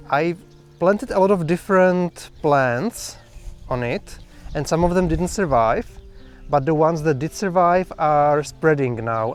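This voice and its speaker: A man's voice: fairly high pitch, smooth. A man co-hosting a home vlog, showing his rock garden outdoors in a laid-back way with dry quips. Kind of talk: casual home vlog chat.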